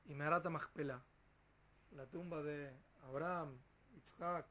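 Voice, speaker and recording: A male teacher with a Rioplatense Spanish accent, telling a story to his class in an animated way with hesitant fillers. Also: a little high, a little slow, slight background noise.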